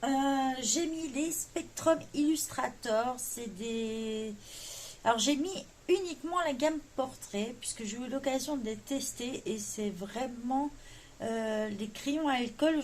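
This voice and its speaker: A woman's voice: on the high side, a little hiss or hum. A woman vlogger chatting casually about her wish list, with many hesitant fillers. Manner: jokes about her English accent. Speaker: coloring vlogger. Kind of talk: casual chat.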